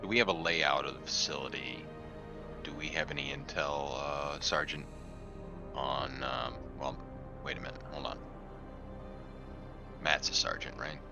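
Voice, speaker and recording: Very deep, gravelly man playing a tabletop game. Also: steady tone, measured pace, long pauses. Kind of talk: casual in-character game talk. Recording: dull lo-fi audio with music behind.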